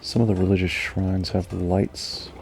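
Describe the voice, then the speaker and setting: A man giving calm gaming commentary, musing slowly and mellowly to himself. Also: low voice. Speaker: gamer.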